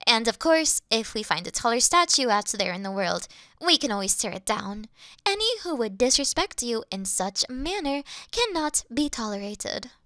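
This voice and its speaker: A woman's voice: on the high side, sing-song, normal speed, sharp tone, no echo, clean studio sound, full character voice. A woman voicing a devoted female demon servant who worships her mistress, fawning and flustered in a scripted audio roleplay. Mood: adoring.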